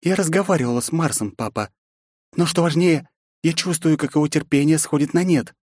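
A man's voice: a little high, brisk, a little mellow, no room sound, studio quality, voice pushed up, close to an everyday voice. A man voicing a fierce, defiant young princess in an audiobook, raising his voice to play her. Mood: urgent. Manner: mocking, defiant.

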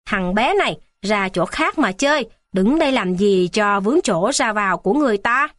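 A woman voicing a stern male hospital gate guard in a children's storybook, in a gruff scolding manner. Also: medium pitch, expressive, moderate pace, no room sound, close to an everyday voice. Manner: gruff scolding, softening later.

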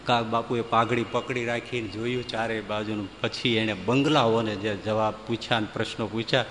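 A man, telling humorous devotional stories to a hall in a lively, folksy way. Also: lowish voice, a little fast, slight background noise. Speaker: folk storyteller.

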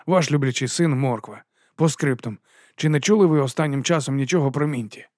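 Dutiful, earnest young recruit, mid-pitch, sincere, in a male narrator's voice. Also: brisk, a little mellow, dry recording, clean studio sound, natural voice. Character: earnest young male guard writing home. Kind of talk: audiobook letter reading.

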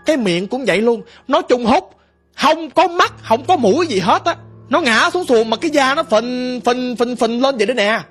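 Brief: a woman, dramatic ghost story narrator, husky tone. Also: high voice. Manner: dramatic, conversational retelling.

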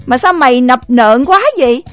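In an audio drama, an actress with a Southern Vietnamese accent plays a jealous, furious village wife who scolds in a shrill, rapid-fire voice. Her voice sounds natural, and the dry recording carries soft background music.

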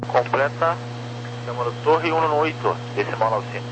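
A man's voice: mid-range voice, lively intonation, moderate pace. Brazilian man on noisy controller radio. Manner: clipped procedural phrases, numbers read digit by digit. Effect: two-way radio. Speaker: air traffic approach controller. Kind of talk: police-radio-like air traffic control radio calls. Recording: noisy humming aviation radio.

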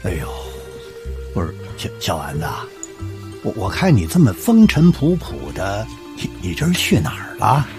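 This is a boastful old Beijing grandfather in a radio play, with a gravelly voice and pitch that swings wildly. He stammers and rambles in a thick Beijing accent. Music plays behind him. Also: wildly swooping pitch, normal speed, darkish tone. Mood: stammering. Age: older. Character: fussy, boastful old grandfather, a retired court clerk. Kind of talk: radio drama acting.

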